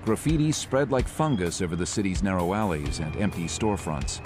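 A man narrating in a measured, descriptive way. His voice sits very low. Music plays clearly beneath him. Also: expressive. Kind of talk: scripted narration.

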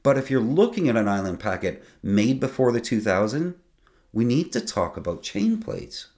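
A man's voice: mid-range voice, moderate pace. A man in his forties hosting a sailing channel, explaining boat technicalities to camera in a casual, conversational way from a small home studio. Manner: lively, conversational, explains technical detail plainly.

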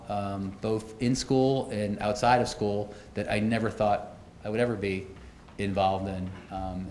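A middle-aged man giving a conference keynote at a podium, telling stories in a conversational way with wry asides. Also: fairly low pitch. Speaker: keynote speaker. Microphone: podium microphones. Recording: echoey auditorium, faint noise.

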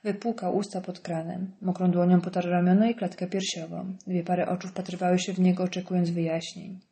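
A woman reads an audiobook in a steady, even narration. Her voice sits low and sounds mellow and warm. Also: brisk. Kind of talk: scripted narration.

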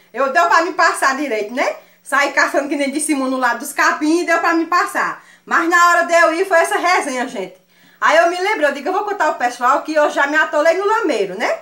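A woman with a Northeastern Brazilian accent telling a funny story to her viewers, animated and laughing often. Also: high voice. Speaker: vlogger. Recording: echoey room sound.

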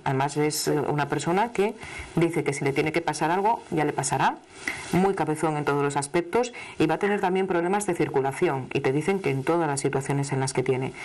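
A woman's voice: sits low, darkish tone. A middle-aged woman from Asturias with an Asturian accent, giving a live television tarot reading to a caller in an emphatic, familiar, chatty way. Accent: Asturian Spanish. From Asturias, Spain. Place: television studio. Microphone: studio microphone, seated at desk.

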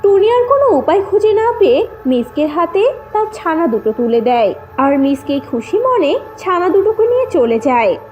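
A woman's voice: very high-pitched, big pitch swings, normal speed, a little mellow, muffled recording, soft background music. A woman narrating a scripted children's story as the storyteller.

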